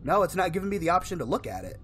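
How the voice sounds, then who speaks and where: A man in his thirties giving casual, expressive commentary as he plays and reads aloud from a video game. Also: high voice, rapid-fire, slight background noise. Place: indoor room, solo gaming setup.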